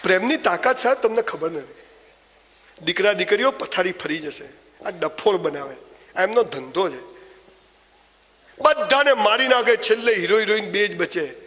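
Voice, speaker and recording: A man delivers a motivational speech, spinning comic stories with mocking asides. His voice sits high for a man. It rings out with a long hall reverb. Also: moderate pace, pauses often. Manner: animated storytelling with mocking asides. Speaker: motivational speaker.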